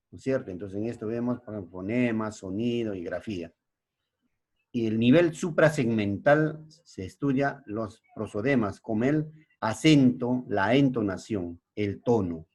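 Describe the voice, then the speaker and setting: A middle-aged male secondary school teacher with a Peruvian Spanish accent gives a slow classroom lesson. He keeps checking in with his pupils. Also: medium pitch, darkish tone, breathy edge. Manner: slow, explanatory, frequent checking tags.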